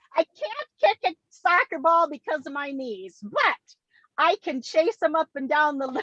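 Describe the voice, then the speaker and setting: An extremely high-pitched woman with an American accent speaks at a fairly slow pace in a raised, projected, energetic voice with a bright, sharp tone, her pitch swinging very widely and her loudness in big swings, all dry and close with no echo. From Minnesota, US Upper Midwest. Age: 60s. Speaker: kindergarten teacher and program client. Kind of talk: casual interview chat. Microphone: connection briefly cut out.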